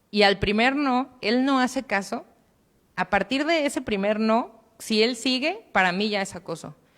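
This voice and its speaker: A woman at a moderate pace with ordinary pitch variation, in a very clean recording with a silent background. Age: 20s. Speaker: guest speaker on gender issues. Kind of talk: talk answering audience questions. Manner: halting.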